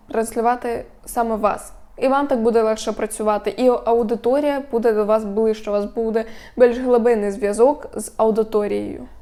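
Woman with a dark, mellow voice, explaining. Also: a little high. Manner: instructive, steady, lists points one by one. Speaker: media coach vlogger. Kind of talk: explanatory talk to camera.

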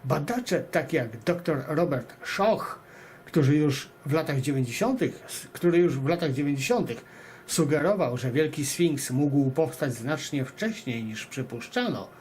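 Animated man, higher-pitched voice, noisy recording. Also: a little slow. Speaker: video host and narrator. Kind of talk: reading an article aloud with personal commentary to viewers.

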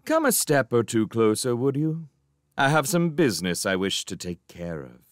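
A man voicing a menacing, pompous, vindictive gentleman magician in an audiobook, with soft speech that can swell into indignation. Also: medium pitch, very animated, moderate pace, dry recording, studio quality, voice pushed up, lightly acted. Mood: calm menace. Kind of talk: dramatic audiobook character reading.

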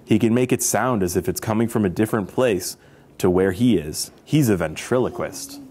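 A man's voice: on the low side, normal speed, warm tone, slight background noise, natural voice. A man voicing a friendly, easygoing male elephant leader in a children's storybook, teasing and advising kindly. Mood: amused, advising.

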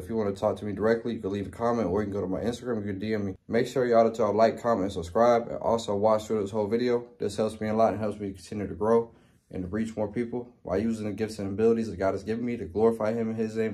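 A young man, a barber, giving a laid-back tutorial voice-over from a small dim room at home, speaking into a boom-arm studio mic. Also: dark tone. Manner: laid-back, plain instructional talk. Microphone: studio microphone on boom arm. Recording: faint guitar music underneath. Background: faint guitar music.

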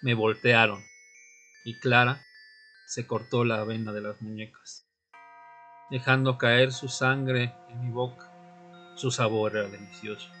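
A man playing a tormented young vampire, narrating an audio drama in the first person with solemn, deliberate, dramatic pauses. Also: mid-range voice, a bit bright, natural voice. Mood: grim, anguished. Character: Fernando, tormented newly turned male vampire recounting his death. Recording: music bed under the voice.

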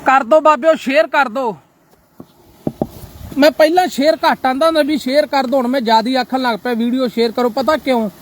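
High-voiced Punjabi man preaching to viewers. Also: a little fast, slight background noise. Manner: preachy, quotes scripture, keeps asking "right?". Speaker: social media livestreamer. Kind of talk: casual livestream address to viewers.

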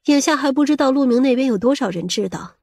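A woman's voice: sits high, expressive, fast, darkish tone, no room sound, studio quality. A woman playing a vain, scheming middle-aged mother in an audiobook, with a scolding, boastful and coarse-tongued manner. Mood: conspiratorial. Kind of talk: audiobook character acting.

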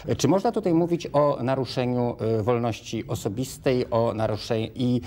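A man's voice: mid-range voice, moderate pace, a little mellow. A young man hosting a television studio interview, asking long questions with many hesitant fillers, on a lapel mic. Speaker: talk show host.

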